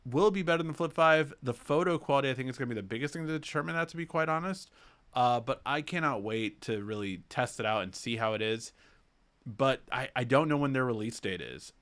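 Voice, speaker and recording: A young man with a lowish, fairly bright voice hosts a casual tech livestream, reading viewer questions aloud and answering them. His speech is full of fillers and restarts, and his nose sounds a little stuffy.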